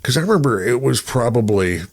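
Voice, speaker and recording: A man's voice: mid-range voice, lively intonation, brisk. A middle-aged man chatting casually as a radio personality, rambling through anecdotes and voicing remembered remarks. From Texas, United States.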